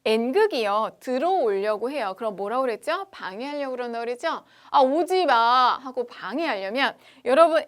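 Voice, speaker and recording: Chatty woman science teacher, high voice. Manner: lively, chatty, asks students questions. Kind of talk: online lecture.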